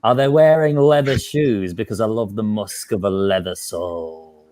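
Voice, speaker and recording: A man's voice: lowish voice, moderate pace, a little mellow, close to an everyday voice. A man voicing a sleazy Dutch male caller obsessed with shoes, in a put-on Dutch accent. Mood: leering. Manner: sleazy, leering.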